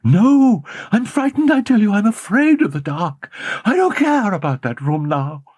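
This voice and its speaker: A frightened, pleading young woman held captive, played by a male reader in a high, strained falsetto. The sound is dry and close. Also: sing-song, a little slow, darkish tone, breathy edge, no echo, exaggerated voice. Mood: pleading terror.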